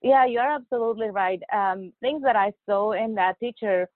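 With a mid-range voice at normal speed and no echo, a woman guest on a podcast interview answers hesitantly and laughs a lot. She's from Mexico, in her 40s, and a nurse anesthetist, recorded on a dry, tinny, phone-like line.

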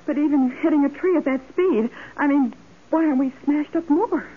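An actress playing a detective's eager, inquisitive young assistant in 1940s radio crime drama style. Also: female voice, sits high, moderate pace, phone-quality sound, natural voice. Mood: shaken. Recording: thin, hissy 1940s radio recording.

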